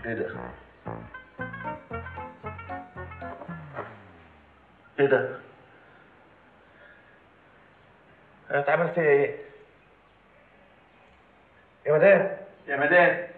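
An actor playing a jittery bumbling coward. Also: male voice, a little high, lightly acted. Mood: confused. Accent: Egyptian Arabic. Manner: panicky, babbling, comic. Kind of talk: comedy film acting. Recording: tinny film audio with room echo.

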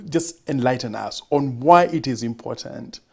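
A middle-aged Kenyan man hosts a TV studio interview. His pitch moves in a lively way, and he nudges his guest along with frequent affirmations and tag questions. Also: moderate pace, vocal fry, husky. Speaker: TV host. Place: TV studio set.

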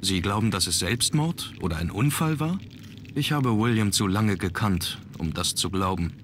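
A determined young nobleman from a mystery adventure game. His voice sits low, and he speaks in measured, formal phrases. There is clear ambient noise behind him. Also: lively intonation, a bit bright. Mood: insistent, suspicious. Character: determined young aristocratic man investigating his grandfather's death. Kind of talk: scripted adventure game dialogue.

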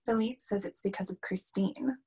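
A woman's voice: medium pitch, normal speed, dark tone, slightly rough. A young woman playing a flustered, theatrical opera performer in a staged reading. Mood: coy. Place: plain room, video call.

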